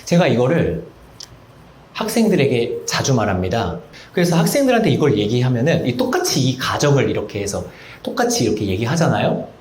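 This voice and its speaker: Casting: a man giving a church lecture, with a lively rising and falling pitch, in an echoey hall. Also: brisk. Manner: animated, acts out dialogues. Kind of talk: Bible study lecture.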